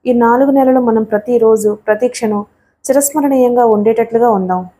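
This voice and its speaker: A playful young female student who teases and coaxes her friend in a highish, mellow voice, as a woman narrator puts her on. She keeps an easy, affectionate, bantering manner. It is a Telugu audiobook reading. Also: a little fast, natural voice. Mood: coaxing.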